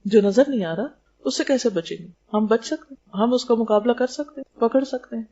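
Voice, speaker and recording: A woman's voice: on the high side, dark tone, muffled recording. A woman teaching a religious lecture, explaining terms and asking rhetorical questions. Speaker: Islamic teacher.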